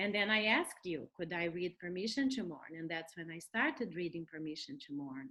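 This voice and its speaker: Pitched fairly low, a woman with a Brazilian accent speaks with lively intonation and hardly any pauses. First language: Portuguese. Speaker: bereaved widow sharing in a grief group. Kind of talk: testimony. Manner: slow, halting.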